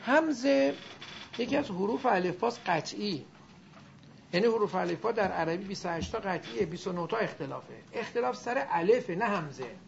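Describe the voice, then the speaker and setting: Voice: medium pitch, animated, creaky, muffled recording, a little hiss or hum. A teacher giving a classroom lesson on Arabic grammar and pronunciation, demonstrating sounds aloud and quizzing the class.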